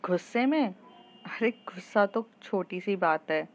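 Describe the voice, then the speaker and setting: A woman's voice: mid-range voice, animated, slow pace. A woman voicing a spoiled, haughty rich young woman who rants brashly and dismissively. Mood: furious. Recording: dull lo-fi recording.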